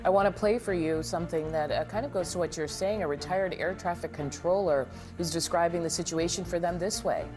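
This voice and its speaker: A woman's voice: lowish voice, fairly quick, few pauses, music in the background. A woman news anchor conducting a live television interview.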